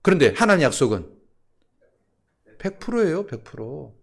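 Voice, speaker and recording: A male pastor delivers a sermon and keeps drawing answers from the congregation. His delivery swings widely in pitch, and his voice has a gravelly fry to it. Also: sing-song, normal speed. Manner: questions the congregation, tells a story with acted voices.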